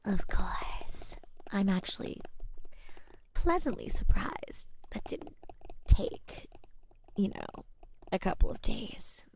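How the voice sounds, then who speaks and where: A woman's voice: mid-range voice, big pitch swings, slow, long pauses. A woman whispering in the role of a friendly, playful young witch shopkeeper who teases and giggles. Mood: whispery. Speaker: ASMR roleplay creator. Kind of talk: ASMR roleplay.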